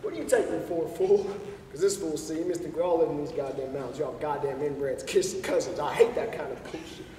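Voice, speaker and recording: A man's voice: a little high, steady tone, a little fast, mellow, a little hiss or hum, lightly acted. A man playing a swaggering drunk mountain man. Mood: boastful. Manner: taunting, crude, swaggering storyteller. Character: rowdy drunk rural man, taunting and boastful. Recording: echoey hall, far from the mic.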